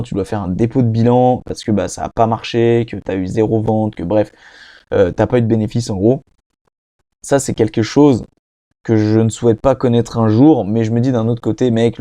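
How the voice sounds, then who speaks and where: A man's voice: fairly low pitch, warm tone, dry recording. A young man hosting a casual self-help podcast, talking straight to the listener in a rambling way, full of fillers and restarts. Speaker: podcast host.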